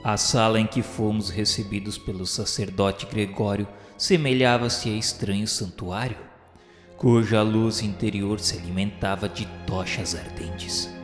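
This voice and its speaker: A man's voice: on the low side, steady tone, a little slow. A man with a Brazilian accent narrating a scripted radio drama in a formal, literary, solemn storytelling manner. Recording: echoey hall reverb, faint music behind.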